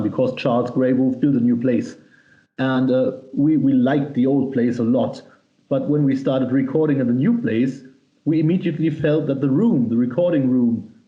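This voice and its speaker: A German-accented man chats as an interviewed musician, telling anecdotes with emphatic enthusiasm. His voice is fairly high for a man and soft-edged, relaxed in tone. The recording is dull and echoes with the room. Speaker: musician, power metal singer being interviewed. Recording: roomy echo, dull lo-fi sound.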